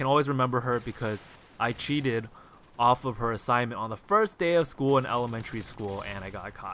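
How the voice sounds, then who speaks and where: A man speaks at a fairly quick pace with a Californian accent. His tone is bright and sharp, and his intonation is lively. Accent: American, California. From China, then California. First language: Chinese. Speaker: gaming YouTuber. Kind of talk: gameplay commentary storytelling. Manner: casual.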